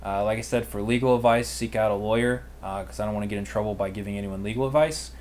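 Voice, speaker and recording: A man's voice: lowish voice, fast, darkish tone, slight background noise. A man in his twenties with an American accent, chatting casually and informally as he answers viewer questions as a livestream host. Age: 20s. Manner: informal, youthful slangy phrasing. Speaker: online business livestream host and mentor.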